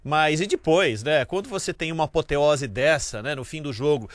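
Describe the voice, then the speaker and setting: A man's voice: fairly high pitch, moderate pace, no echo, studio quality. A man with a Brazilian accent anchoring live sports news in a conversational, analytic way.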